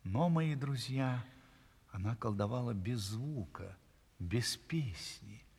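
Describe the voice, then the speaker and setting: Expressive, slightly husky male storyteller. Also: medium pitch, takes it slowly, in a large hall. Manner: intimate, expressive storyteller, dropping to a hush. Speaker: narrator. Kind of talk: storytelling narration in an audio play.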